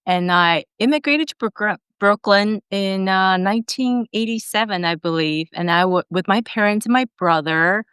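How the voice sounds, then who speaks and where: A woman's voice: mid-range voice, normal speed, few pauses, a bit bright, smooth, no echo, studio quality. A woman in her forties who grew up in Taiwan, telling her life story as a podcast guest in an earnest, reflective way. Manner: earnest and reflective, with fillers and restarts. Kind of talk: conversational interview storytelling.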